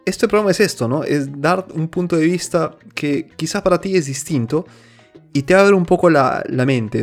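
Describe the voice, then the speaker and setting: Man from peru, show host, earnest opinion monologue, stumbling restarts, faint music behind. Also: medium pitch. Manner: earnest, many restarts and fillers.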